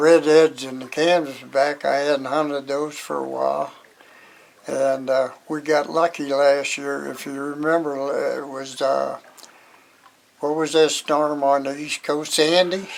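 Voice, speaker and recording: With a Midwestern American accent, a man talks at a fairly slow pace in a fairly high pitch and a monotone, flat intonation, with noticeable background noise. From Illinois. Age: 80s+. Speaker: duck hunter. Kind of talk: interview answer.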